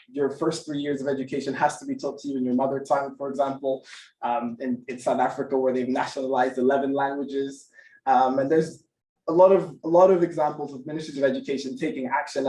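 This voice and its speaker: A man's voice: medium pitch, darkish tone. Man, seminar speaker, hesitant and filler-heavy, roomy far-off mic with faint hiss. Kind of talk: closing remarks of a talk.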